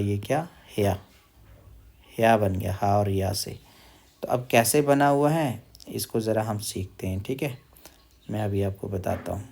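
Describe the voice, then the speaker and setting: Speaking at medium pitch with vocal fry and a slightly mellow quality, a man teaches recitation one step at a time. He stretches out syllables, repeats them while posing questions, and chants verses slowly.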